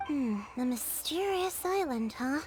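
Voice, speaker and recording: High-voiced, courteous tribal chief. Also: female voice, lively intonation, heavy background noise. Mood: polite, composed. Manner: measured, polite, formal storytelling. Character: courteous, poised female tribal chief, obliging and shrewd. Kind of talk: video game character dialogue. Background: background music.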